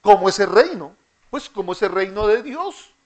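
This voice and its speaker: A man's voice: high voice, sing-song, lo-fi sound. A man teaching an interactive Bible class, who keeps asking his students questions and has them repeat after him. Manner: slow, deliberate delivery.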